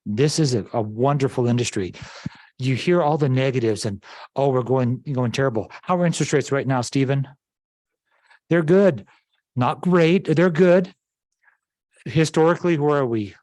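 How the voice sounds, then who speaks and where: A man's voice: mid-range voice, darkish tone, dry recording. A man leading a real estate team meeting, reading headlines off slides and urging agents with upbeat talk. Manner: upbeat, urging, talks to the room. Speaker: real estate office leader.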